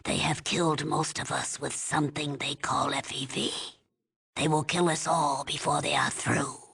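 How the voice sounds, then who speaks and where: A woman playing a weary, stern old tribal elder in a video game, with a breathy, husky rasp and a solemn, halting, commanding manner. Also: low-pitched, little pitch movement, a bit bright, heavily acted. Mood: weary, grave. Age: older. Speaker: village elder. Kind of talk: dramatic video game voice acting.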